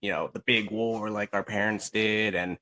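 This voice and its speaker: A man's voice: on the low side, fairly even intonation, normal speed, sharp tone. A man in his thirties with an American accent, chatting informally and reflectively as an interview guest. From Las Vegas, United States. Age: 30s. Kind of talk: casual chat.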